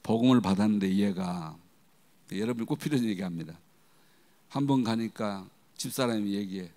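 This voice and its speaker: Middle-aged guy preaching in a big echoey church, animated, acts out the people he quotes. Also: a little fast. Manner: animated storytelling, acting out quoted voices with big pitch jumps. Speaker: guest pastor. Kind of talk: sermon. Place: church sanctuary. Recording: long hall reverb.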